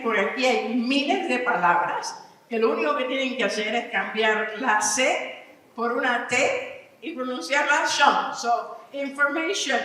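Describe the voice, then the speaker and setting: A woman's voice: a little high, pushed and bright. A woman giving a live conference talk, teaching English vocabulary, reading word lists aloud and putting questions to the audience. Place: large conference hall. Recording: echoey hall from far off.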